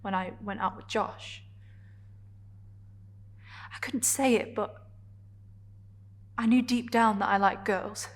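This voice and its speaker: A woman performing a dramatic stage monologue as a vulnerable, defiant gay woman confronting a partner, in halting, emotionally charged phrases. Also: medium pitch, steady tone. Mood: quiet, confessional.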